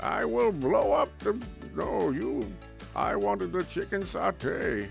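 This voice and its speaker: Clear background music behind a man's fairly slow, put-on character voice. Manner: dumb, blustering.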